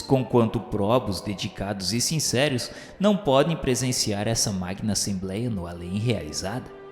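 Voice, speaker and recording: A Brazilian man giving a solemn, formal, reverent narration of a scripted radio novel in a declamatory, literary style. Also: lowish voice. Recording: echoey hall reverb with music. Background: music.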